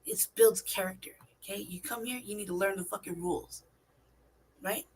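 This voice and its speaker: Her voice sits mid-range and stays steady at a moderate pace, with a bit of hiss or hum in the background. This woman from California vlogs in a loose, profane monologue, leaning hard on emphasis and asking rhetorical questions.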